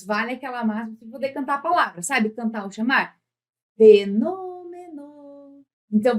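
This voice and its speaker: A woman with a fairly high voice leads a grammar lesson for exam candidates. She stretches out each example word slowly and keeps checking that the listener is following. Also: a bit bright. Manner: patient, drawn-out words when giving examples; often checks in with "tá?". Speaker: Portuguese teacher.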